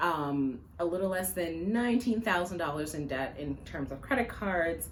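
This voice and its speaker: Speaking at a moderate pace in a fairly low pitch, a woman is heard over noticeable background noise and audible room echo. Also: lively intonation. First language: Jamaican Patois. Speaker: personal finance vlogger. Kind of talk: casual vlog talk. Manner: hesitant, many fillers.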